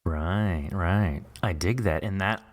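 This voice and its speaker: Deep-voiced man, encouraging interview host. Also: takes it slowly. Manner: encouraging, affirming. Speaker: podcast host interviewing an author. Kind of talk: casual, conversational interview.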